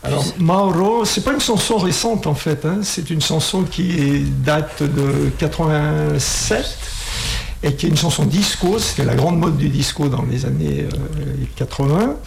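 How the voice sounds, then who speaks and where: A man's voice: on the high side, measured pace, creaky, slight background noise. A man hosting a casual interview with students, asking friendly questions and often hesitating and restarting his sentences. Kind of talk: casual radio-style interview.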